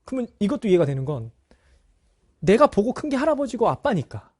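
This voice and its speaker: A man's voice: high voice, big pitch swings, brisk, a little mellow. A middle-aged male teacher talking candidly to his students, telling a personal family story and speaking straight to them. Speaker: Korean language teacher. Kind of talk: talk to students.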